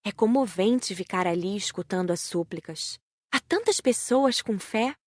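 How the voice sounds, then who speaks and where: A woman's voice: medium pitch, expressive, dry recording. Brazilian woman narrating, dry and close. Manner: measured storytelling. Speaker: audiobook narrator. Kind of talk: scripted narration.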